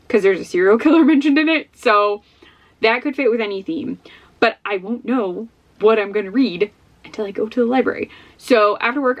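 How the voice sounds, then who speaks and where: A woman's voice: mid-range voice, lo-fi sound. A young woman vlogging to her camera in a chatty, rambling way, full of fillers and asides. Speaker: book vlogger. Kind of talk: casual talk to camera. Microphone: camera facing her.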